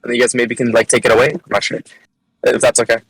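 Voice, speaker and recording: A man arguing the Muslim side in an online voice-chat debate, who talks quickly, repeats words and asks if others follow. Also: mid-range voice, level tone, fairly bright tone, husky, no echo, low-quality recording. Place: voice chat call.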